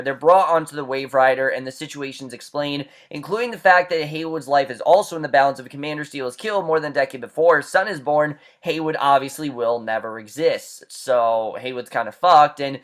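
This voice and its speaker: A man's voice: fairly high pitch, fairly quick, hardly any pauses. A man giving a casual recap and review of a TV episode, chatty and full of fillers and restarts.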